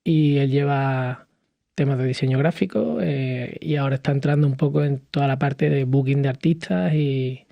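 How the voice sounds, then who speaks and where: A man from Cádiz in his thirties, speaking as a podcast guest in a lively conversational way, with frequent fillers and restarts. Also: medium pitch, moderate pace, vocal fry, no echo, lo-fi sound. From southern Spain, Cádiz. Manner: animated storytelling with many fillers and restarts. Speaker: podcast guest, hospitality entrepreneur. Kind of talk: conversational interview.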